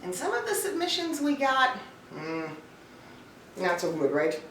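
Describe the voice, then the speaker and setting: A woman's voice: sits high, wildly swooping pitch, a little slow. Woman doing a chatty advice vlog, talks right at you, emphatic, mic a bit far off, faint noise. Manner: chatty, emphatic, informal, addresses listeners directly. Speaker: host, voice-over coach and casting director. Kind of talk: scripted-feeling advice vlog to camera. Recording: roomy echo, distant mic, faint noise.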